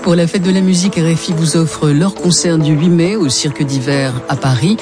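A woman's voice: sits low, normal speed, over music. A woman reading a radio concert promo with enthusiasm.

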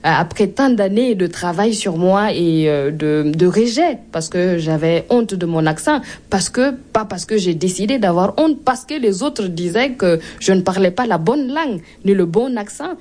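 A woman's voice: mid-range voice, expressive, moderate pace, hardly any pauses, darkish tone. A woman from Burkina Faso with a Burkinabé accent, a Mooré speaker, guest author and comedian reading and talking in an interview.

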